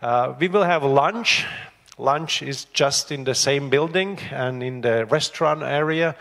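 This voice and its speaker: Conference host: man, mid pitch, hesitant and halting, long hall reverb. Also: vocal fry, a bit bright. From Latvia. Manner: hesitant, many fillers, light humor. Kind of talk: housekeeping announcements and introduction. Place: conference room.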